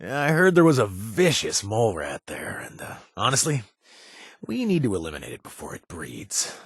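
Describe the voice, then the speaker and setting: An actor playing a wry, sarcastic companion in a video game who hands out kill jobs, stammering and joking. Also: male voice, fairly low pitch, moderate pace, breathy edge, dry recording, exaggerated voice. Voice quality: animated, sarcastic delivery with hesitant stammers. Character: wry young man, quest-giving companion, sarcastic and jumpy. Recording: dry studio sound.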